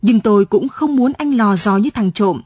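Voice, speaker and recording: Stern older mother, quiet cutting tone, mellow husky voice, read by a woman narrator, radio storybook. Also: mid-range voice, lively intonation, moderate pace, no echo. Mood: cold warning. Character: stern older mother guarding her daughter.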